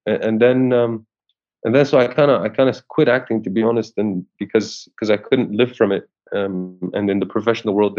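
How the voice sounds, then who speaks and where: Halting low-voiced man, muffled. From Syria. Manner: hesitant, many restarts. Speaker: actor. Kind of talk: interview conversation. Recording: muffled lo-fi sound.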